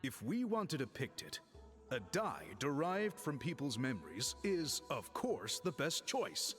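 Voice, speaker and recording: A man playing a dignified, formal tribal chief in a video game, speaking deliberately over music. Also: on the high side, big pitch swings. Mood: thoughtful. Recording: soft game music behind.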